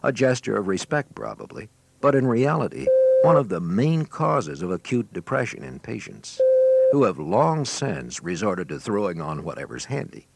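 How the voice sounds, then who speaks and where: A man narrates a scripted training filmstrip with wry theatrical flair. His lowish voice swoops expressively through the phrases. It comes from a 1980s cassette with heavy noise and clicks. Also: very animated, normal speed, vocal fry.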